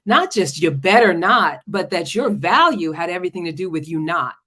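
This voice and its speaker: A woman's voice: lowish voice, lively intonation, moderate pace, bright, forceful tone, husky. A woman hosting a live talk show as a relationship coach, affirming her guest and laughing easily.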